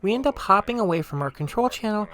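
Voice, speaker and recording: A presenter giving step-by-step software tutorial narration in an instructional, conversational manner. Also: mid-range voice, lively intonation, quick pace.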